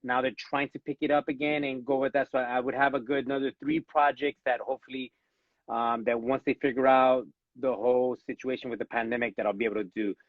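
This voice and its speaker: A man's voice: medium pitch, little pitch movement, brisk, dry recording, narrow, tinny audio. A man with a Latino accent, raised in Miami by Cuban parents, talks earnestly about his acting career in a casual live interview, restarting his sentences often. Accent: Latino, Cuban-American. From born in Los Angeles, raised in Miami. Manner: earnest, repeats words when starting sentences. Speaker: actor, interview guest. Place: at home.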